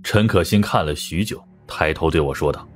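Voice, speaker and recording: A man's voice: rumbling low, normal speed, faint music behind. A man narrating a detective audiobook in a scripted, dramatic storytelling style.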